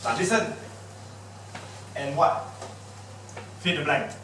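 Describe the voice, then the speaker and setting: Animated Singaporean man coaching speakers. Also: a little high, slow pace. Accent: Singaporean English. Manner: animated and playful, quizzes and teases the audience. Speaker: public speaking trainer. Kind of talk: lively workshop talk to an audience. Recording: echoey room picked up from a distance with background noise.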